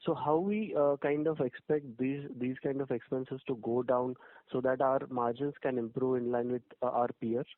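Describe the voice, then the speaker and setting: A man's voice: medium pitch, steady tone, normal speed, dry recording. A man calling in over the phone to ask formal questions on a conference call, polite and hesitant with many fillers. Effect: heard over a phone line. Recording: tinny phone line, dry.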